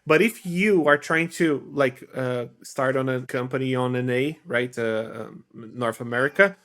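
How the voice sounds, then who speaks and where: A man's voice: medium pitch, measured pace, fairly bright tone. A young Brazilian man with a Brazilian Portuguese accent, a native Portuguese speaker hosting a casual interview in English, friendly and hesitant, with many fillers. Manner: friendly, with hesitant second-language phrasing and frequent fillers. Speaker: host, interviewer.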